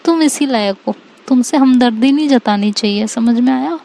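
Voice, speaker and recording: A woman's voice: on the high side, normal speed, dark tone, lightly acted. A woman storyteller voicing a hurt young woman who scolds her girlfriend, then turns tearful over her bruises. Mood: scolding. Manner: stern, scolding, tearful at times.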